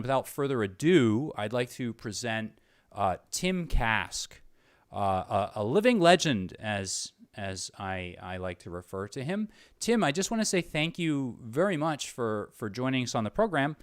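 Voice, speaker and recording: A man hosting an interview show in an unscripted, conversational way, halting and repeating words, earnest and effusive. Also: mid-range voice, clear, resonant tone, dry recording, clean studio sound.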